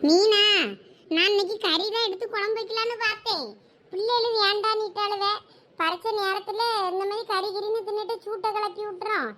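A woman's voice: steady tone, a little fast, pushed and bright. A woman playing a chatty village housewife in a family skit. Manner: chatty, teasing, very high voice.

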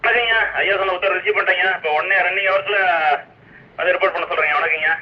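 A man's voice: high voice, fairly even intonation, quick pace. A male police officer giving deferential, formal replies over a walkie-talkie radio. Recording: noisy muffled police radio.

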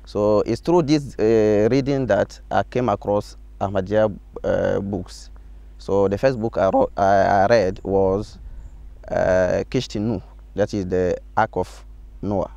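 Slow, deep-voiced young man. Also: steady tone, gravelly, mellow, dry recording. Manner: halting, many fillers and restarts. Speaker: interview guest, student. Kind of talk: answering interview questions. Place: outdoors on a school field. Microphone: lapel mic.

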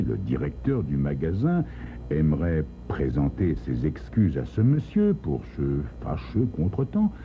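A man narrating a crime story, dramatic and wry. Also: extremely low pitch. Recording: tinny lo-fi recording, faint hiss.

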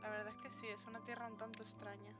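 A woman's voice: medium pitch, flat delivery, rapid-fire, over loud music. A woman giving casual commentary as she plays and reacts to a game. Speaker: gamer playing and reacting.

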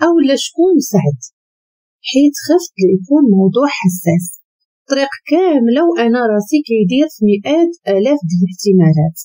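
A woman with a Moroccan Arabic accent telling a first-person story as narrator, voicing the quoted lines higher. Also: dark tone, breathy edge.

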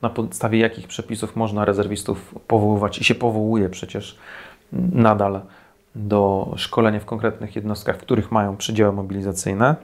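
A man's voice: fairly low pitch, flat delivery, moderate pace, a little mellow. A man in his forties from Poland, giving scornful, sarcastic critical commentary to camera from a small indoor room. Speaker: defense commentator. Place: small indoor room, plain white wall.

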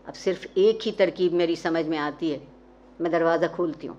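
A woman's voice: sits low, darkish tone, slight background noise, lightly acted. Woman reading as a brash, defiant young woman. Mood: impatient. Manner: brusque and teasing, impatient commands. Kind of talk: dramatic reading of a short story. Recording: dull, muffled recording.

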